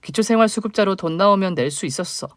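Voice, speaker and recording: A woman's voice: mid-range voice, fast talker, no echo, clean studio sound, natural voice. A woman voicing a hurt young single mother, the younger sister, speaking plaintively in a dramatized story. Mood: weary. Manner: plaintive, emotional questioning.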